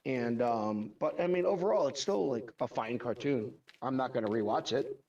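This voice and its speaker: A man's voice: mid-range voice, normal speed, darkish tone. A man co-hosting a casual livestream, bantering bluntly and reading out viewer comments. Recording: distant, slightly muffled microphone.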